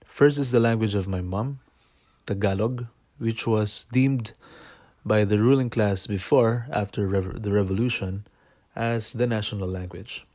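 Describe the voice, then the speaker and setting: Guest voice: man from the Philippines, low-pitched, reflective personal storytelling. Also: measured pace, darkish tone. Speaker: podcast guest.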